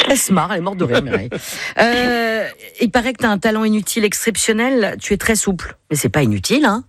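A radio game show host with chatty, teasing banter and theatrical slow-downs when reading out questions. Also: medium pitch, big pitch swings, slight background noise. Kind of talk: radio quiz hosting, playful banter. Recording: music bed behind the voice. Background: music.

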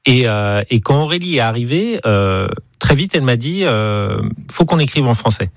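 A man's voice: mid-range voice, moderate pace, dry recording, clean studio sound. Young man musician, stammering a bit. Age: young adult. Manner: stammering, relaxed. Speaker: singer and songwriter. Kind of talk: casual radio interview talk.

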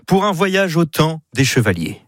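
A man's voice: a little high, sing-song, normal speed, no echo, clean studio sound. A man presenting on radio, calling out an announcement in the manner of a town crier. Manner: town-crier style proclaiming. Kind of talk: live radio links between segments and music. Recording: music bed under the voice. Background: music.

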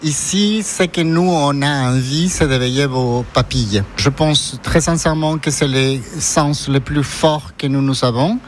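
A man's voice: medium pitch, measured pace, hardly any pauses, slight background noise. A middle-aged man from Ecuador, Spanish his first language, speaking French with an accent, talking earnestly about his ice cream shop in a radio interview.

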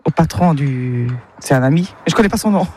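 A woman from Italy chatting cheerfully with a reporter, often laughing and pausing to find her words. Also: deep voice, lively intonation, darkish tone, slight background noise. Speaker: villager interviewed in the street. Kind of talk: casual chat.

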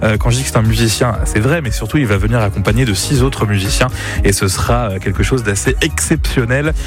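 A man hosting a local morning radio show with brisk, chatty, upbeat patter. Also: fairly low pitch, music in the background.

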